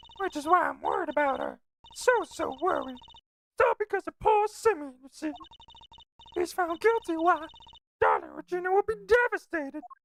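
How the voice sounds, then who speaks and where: In a put-on character voice, a woman speaks at an extremely high pitch with lively intonation, in a dry, close sound with no echo. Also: moderate pace. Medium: game stream. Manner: gushing, syrupy, theatrical; calls everyone sweetie and darling.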